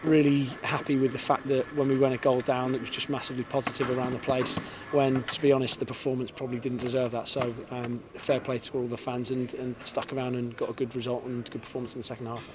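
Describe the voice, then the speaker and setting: Man, 30s, football coach, post-match interview, fast talker, fairly flat delivery, repeats words, handheld mic, outdoors at night, clear stadium noise. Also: medium pitch. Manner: fast, earnest, repeats words when starting sentences. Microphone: handheld reporter's mic held in front.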